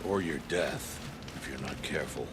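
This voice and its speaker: A man playing a stern, solemn older tribal mentor in a dramatic video game, speaking gravely and formally. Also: very deep voice, moderate pace. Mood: ominous, solemn. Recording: loud music and ambient noise.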